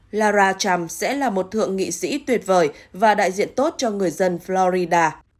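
This is an unremarkable speaking voice with ordinary pitch variation, at a fairly slow pace. The recording is very clean, with a silent background. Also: woman. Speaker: news presenter. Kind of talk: news reading.

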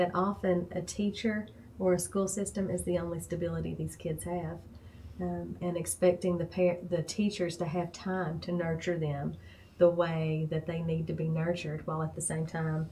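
Over light background noise, a woman speaks at a moderate pace in a fairly low, somewhat breathy voice with monotone, flat intonation. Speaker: interview guest. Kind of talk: interview answer. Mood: serious, earnest. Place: studio.

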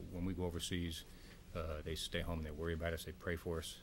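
Noticeable background noise sits behind a man whose very deep, low voice is somewhat breathy. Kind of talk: press briefing statement. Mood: warm, appreciative. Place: hall. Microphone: podium.

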